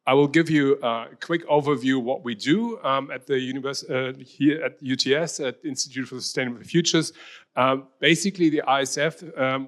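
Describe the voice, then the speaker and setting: A man in his fifties with a German accent, a university researcher presenting a talk with slides, filling pauses with many ums and restarting phrases. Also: mid-range voice, fairly bright tone.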